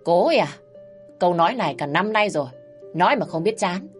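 A woman's voice: expressive, brisk, close to an everyday voice. A woman voicing a harsh, scolding older mother-in-law who nags shrilly, over faint music. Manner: shrill, nagging, raising her voice.

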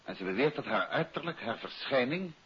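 A man acting a self-assured, courteous detective in a 1950s radio mystery serial, polite, brisk and composed. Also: medium pitch, animated, a bit bright, slightly rough. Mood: composed, businesslike. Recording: hissy, muffled old radio recording.

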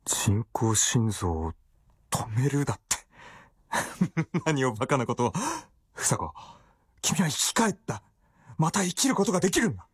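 An actor voicing an anguished doctor husband, speaking pleading and pained in a radio drama. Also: male voice, medium pitch, very animated, unhurried, slightly rough.

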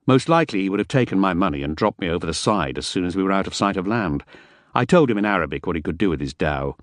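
Man, audiobook narrator, deep voice, lively intonation, dry close mic. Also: fast talker, no echo. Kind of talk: scripted first-person novel narration.

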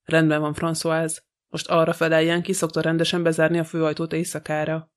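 Man reading a stern male magistrate, brisk, impatient, audiobook, slightly high. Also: completely flat delivery, clean tone, close to an everyday voice. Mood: questioning. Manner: brisk questioning.

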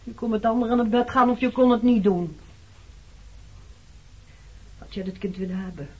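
Radio drama role: wounded former lover, very breathy and husky, accusing, on a dull old recording. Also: female voice, a little high, normal speed. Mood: guarded. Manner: hurt, accusing. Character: wounded, resentful woman confronting her former lover. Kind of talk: Dutch radio play acting.

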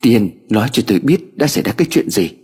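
A man's voice: on the low side, sing-song, quick pace, a little mellow, breathy edge, heavily acted. A man voicing an earnest middle-aged man who asks urgent questions.

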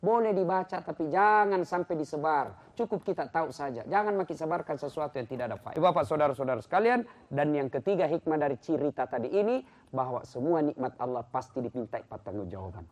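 A man preaches a lively, story-filled sermon. His voice sits high and leaps wildly in pitch, swinging from loud exclamations to low, quiet asides. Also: fast. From Makassar, South Sulawesi. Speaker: ustaz, preacher. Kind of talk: lively sermon with humorous stories.

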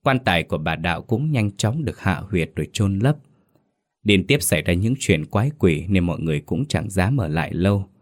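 A man narrating a scripted ghost story in a steady, even manner. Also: low-pitched.

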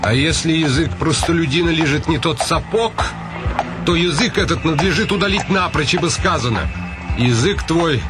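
A man acts out a proud nobleman in an old radio play. His voice sits a little high for a man and declaims with pompous irony, restless and spoiling for a fight. Music plays clearly beneath him. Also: normal speed, close to an everyday voice. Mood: mocking pomp. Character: haughty nobleman on horseback, ironic, restless for a fight. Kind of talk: radio drama acting.

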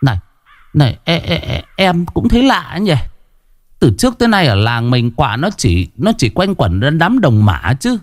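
A man's voice: fairly high pitch, huge pitch swings, moderate pace, no room sound, studio quality, voice pushed up. A man voicing uneasy village gossips at a funeral in a spoken horror story, murmuring and stammering.

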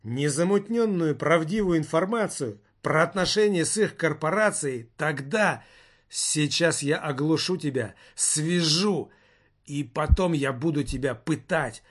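Man reading as a fierce agitated journalist, urgent, forceful, slowish, higher voice. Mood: menacing. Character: agitated intense male journalist, threatening.

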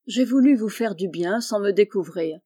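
A kind, wealthy gentleman painter speaks gently and reassuringly to the young men he looks after, as a woman narrator puts him on. The tone is mellow and warm, and his reading has the calm of a storybook. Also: mid-range voice, moderate pace, lightly acted. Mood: tender. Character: kind wealthy middle-aged male painter, benefactor.

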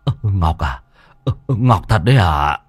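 A man's voice: deep voice, animated, measured pace, breathy edge, dry recording, heavily acted. A man playing a frightened old man who stammers in panic. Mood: dazed.

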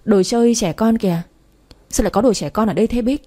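A woman voicing a blunt, condescending older sister who questions others briskly in a storybook reading. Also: fairly high pitch, mellow, lightly acted. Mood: probing.

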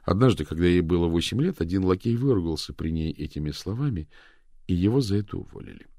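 A man reading an adventure novel aloud as narrator, expressive and raising his voice for the characters' shouts. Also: deep voice, quick pace, dry recording, clean studio sound. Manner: expressive, raises voice for shouted lines. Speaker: audiobook narrator.

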